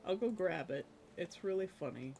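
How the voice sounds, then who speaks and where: Chatty streamer woman, lower voice, slightly hoarse. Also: expressive, moderate pace, mellow, a little hiss or hum. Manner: chatty, rambling with many fillers, laughs often. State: slight cough, losing voice. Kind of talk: casual chat while gaming. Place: home room at her computer.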